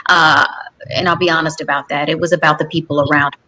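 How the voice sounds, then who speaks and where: A woman's voice: deep voice, flat delivery, fast, bright, forceful tone, a little hiss or hum, rough recording. A woman on a panel speaking candidly and reflectively. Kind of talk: panel discussion.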